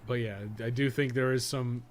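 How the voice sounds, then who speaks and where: A man's voice: mid-range voice, level tone, moderate pace. A man giving casual, rambling game stream commentary with a jokey, sometimes profane manner. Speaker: podcast co-host and game guide maker. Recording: clearly noisy background.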